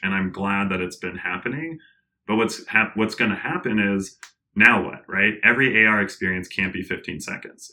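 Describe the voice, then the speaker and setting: A man being interviewed, talking in a casual, animated way with many fillers, restarts and frequent laughs. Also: sits low. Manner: laughs often. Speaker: interview guest, tech founder.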